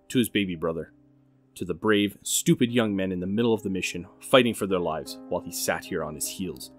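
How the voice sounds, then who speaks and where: A man reading dramatic scripted narration as a narrator, intense and emphatic. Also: deep voice.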